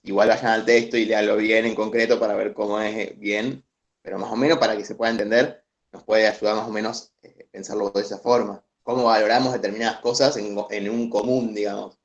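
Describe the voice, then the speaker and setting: A man's voice: on the low side, level tone, a little fast. A young man with an Argentine accent explaining a reading to classmates over a video call, hesitant, with many fillers and restarts. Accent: Argentine Spanish. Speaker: student presenter. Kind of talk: online study session explanation. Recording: dull lo-fi video call audio.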